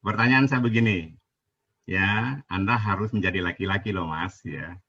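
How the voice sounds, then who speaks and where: Husky man on dull lo-fi audio. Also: deep voice, moderate pace, bright, forceful tone. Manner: insistent, repeats himself, pleads to be heard. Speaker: debate opponent on a live stream. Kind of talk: heated live debate.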